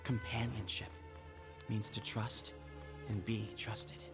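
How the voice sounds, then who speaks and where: A man voicing a composed, earnest young leader of a desert temple in a video game, speaking in a measured, formal way. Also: on the low side, level tone, over music. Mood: hushed, reflective. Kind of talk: scripted video game acting.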